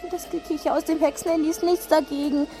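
A man's voice: very high-pitched, little pitch movement, fast talker, over music. An actor voicing a frightened young boy in a German radio drama, recounting a witch encounter. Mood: fearful recounting. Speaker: child character Jeremy.

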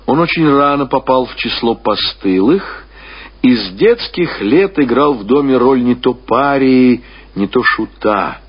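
A man reading classic literary prose as a radio narrator, in a measured, expressive storytelling manner with deliberate phrasing. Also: medium pitch, husky. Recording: dull lo-fi radio recording.

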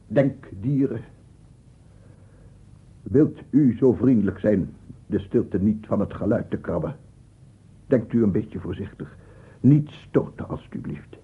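Tormented man, very husky, creaky voice, intense whispers and cries, old radio play, narrow tinny sound. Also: on the low side, full character voice. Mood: pleading, mocking. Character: tormented, obsessive madman addressing imagined gentlemen. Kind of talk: theatrical Dutch radio drama monologue. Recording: tinny, band-limited old radio recording.

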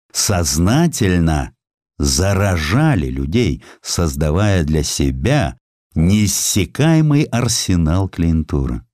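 Male narrator for historical audiobook: very low register, highly varied intonation, emphatic deliberate phrasing, dry studio recording. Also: a little mellow, no room sound. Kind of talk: expressive scripted narration of historical sketches.

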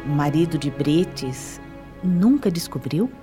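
Serious lady asking probing questions, formal radio play, lowish voice over music. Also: lively intonation, slow, dark tone. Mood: probing, solemn. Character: solemn woman questioner probing a confession. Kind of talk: formal radio drama acting. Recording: music under the voice. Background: background music.

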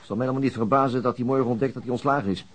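A man acting as a gruff, world-weary senior detective in a naturalistic radio drama, curt and understated. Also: mid-range voice, fairly even intonation, racing, lightly acted. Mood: resigned, sceptical.

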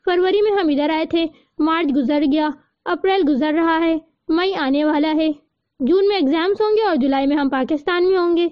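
A woman voicing a caring young woman student who speaks in a gentle, reassuring way. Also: extremely high pitch, no echo, lo-fi sound.

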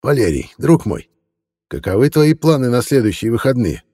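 A man's voice: mid-range voice, very animated, mellow, breathy edge, long reverb tail, pitched above the performer's own voice. A man putting on a sly old antiquarian. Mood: coaxing. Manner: slow, drawn-out, grandfatherly scolding tone. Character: sly old male antiquarian, fussy and mock-kindly.

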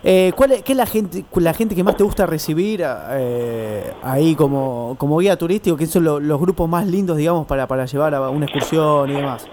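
A man's voice: a little high, animated, brisk, hardly any pauses, darkish tone, a little hiss or hum. A man with an Argentine accent co-hosts a radio show and asks friendly, loose questions full of fillers. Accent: Argentine Spanish. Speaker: radio co-host. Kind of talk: casual radio interview.

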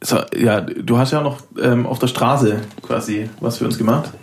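Gravelly male podcast host, casual and colloquial. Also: mid-range voice, fairly even intonation, normal speed. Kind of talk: casual chat.

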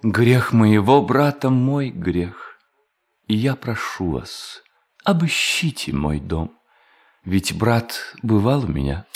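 A man's voice: on the low side, sing-song, takes it slowly, heavily acted. A man acting a pious, mournful, bookish member of a religious brotherhood in an audio drama, solemn and preachy. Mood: solemn, preaching.

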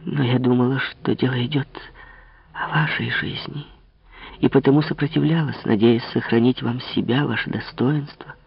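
A man voicing a young woman, a desperate lover pleading in breathy whispers in an audiobook reading, on a dull lo-fi recording. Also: medium pitch, steady tone, moderate pace, no echo. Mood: sorrowful.

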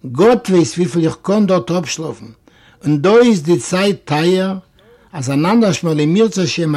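A man with a high-set voice reads a classic tale aloud. His storytelling is lively and expressive, and he gives the characters their own voices. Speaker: narrator. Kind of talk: dramatic reading of a classic story.

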